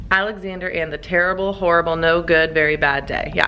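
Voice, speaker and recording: Noticeable background noise surrounds a woman's voice. She speaks at a fairly quick pace in a fairly low pitch. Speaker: elementary school teacher, vlogger. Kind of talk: casual vlog talk to camera. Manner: fast; animated.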